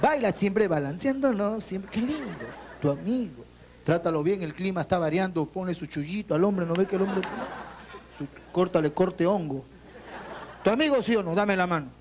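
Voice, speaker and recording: A man with a Peruvian Spanish accent doing a live street comedy routine, teasing people in the crowd with loud banter. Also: high voice, lively intonation, moderate pace. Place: outdoors before a crowd. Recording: music and crowd noise behind.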